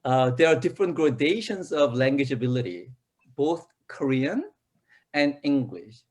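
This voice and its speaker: A man's voice: medium pitch, expressive, normal speed. A man, an actor in a casual interview, who explains things at length in a thoughtful way.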